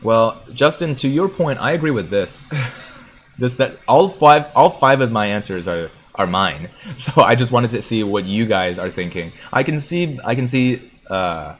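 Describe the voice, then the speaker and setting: A man hosting a casual livestream, reading viewer comments aloud, chatting and laughing easily as he thinks out loud. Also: medium pitch, animated, measured pace. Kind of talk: casual livestream chat about stocks.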